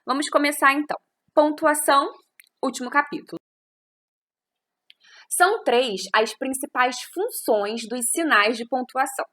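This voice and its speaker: A woman from Brazil records a teaching lesson close to the microphone. Her voice sits a little high and sounds bright and clear. She explains step by step and keeps checking in with her listeners. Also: a little slow, pauses often. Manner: explanatory, frequent tag questions. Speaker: Portuguese teacher.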